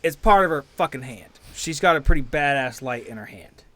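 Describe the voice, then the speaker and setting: A man acting as game master, narrating casually and haltingly, with some swearing and trailing sentences. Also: mid-range voice, animated, fairly bright tone. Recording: music behind the voice. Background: music.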